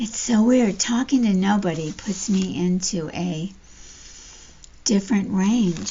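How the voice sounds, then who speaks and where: A woman's unremarkable speaking voice at medium pitch with ordinary pitch variation. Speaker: crafting video creator. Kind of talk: craft tutorial.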